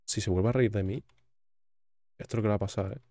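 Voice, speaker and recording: Speaking fast in a mellow, low-leaning voice, a male gaming YouTuber from Spain cracks jokes and chats while playing, reading the game's text out loud. The recording is dry.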